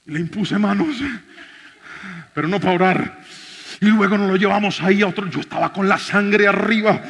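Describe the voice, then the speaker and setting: A male pastor telling a story in a sermon, dramatic, swinging from shouts to hushed tones. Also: high-pitched, steady tone, normal speed, gravelly. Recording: reverberant hall.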